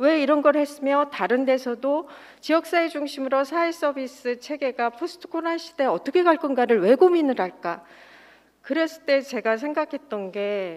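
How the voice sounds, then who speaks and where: Her voice sits at a high pitch. The woman keeps to a moderate pace. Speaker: conference presenter. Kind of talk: lecture. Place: hall. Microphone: podium.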